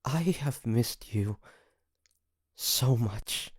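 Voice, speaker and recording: A man playing an earnest, emotional young hunter in an audio drama, speaking haltingly with stammers. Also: medium pitch, breathy edge, no echo, clean studio sound. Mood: emotional, apologetic. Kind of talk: dramatic audio roleplay acting.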